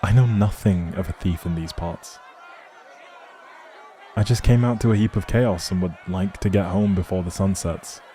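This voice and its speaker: A man playing an outlawed prince, a gentle, protective leader, in earnest dramatic roleplay audio with old-fashioned, measured phrasing and a husky, breathy voice. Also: deep voice, steady tone, a faint crowd, a little hiss or hum, natural voice. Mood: feigned innocence.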